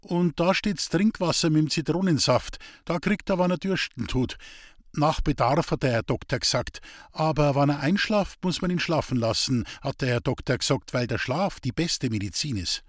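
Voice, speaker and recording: A man voicing a kind young village woman who speaks softly and gently while nursing a sick man. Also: sits low, moderate pace, no room sound, studio quality. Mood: caring. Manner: soft, gentle, caring.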